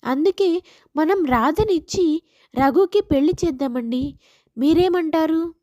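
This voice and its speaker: A kind village sister-in-law, acted by a woman storyteller, speaks in a high, mellow voice with a close, dry sound. She is motherly and encouraging, full of affection for her family, as in a moral tale. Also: measured pace, no room sound. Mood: happy, persuasive.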